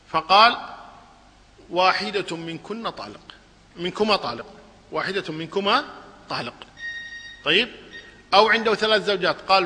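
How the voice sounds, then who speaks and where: A man gives a religious lesson in a high, very bright voice. He keeps the class engaged, asking questions and answering them himself. The sound carries a long reverb, as in a large hall. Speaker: Islamic scholar teaching a lesson. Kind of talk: religious lesson, explaining a text.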